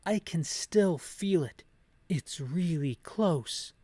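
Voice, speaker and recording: A man voicing an intense, uneasy young woman from a video game, with slow, drawn-out delivery. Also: fairly high pitch, expressive, warm tone, no echo.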